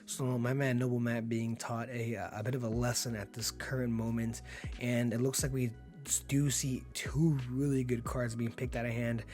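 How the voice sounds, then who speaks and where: Guy with a bit of a sick hoarse voice doing chill card game commentary, faint music behind. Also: mid-range voice, little pitch movement, normal speed, darkish tone. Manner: upbeat, laid-back, laughs often. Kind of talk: casual play-by-play commentary.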